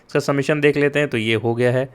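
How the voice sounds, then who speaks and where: A young man teaches coding in a relaxed, conversational way, his voice smooth and mid-range with fairly even intonation. He mixes Hindi and English, leans on "yaar" and "theek hai?", addresses students directly, checks they're keeping up, and moves slowly, urging them to take notes.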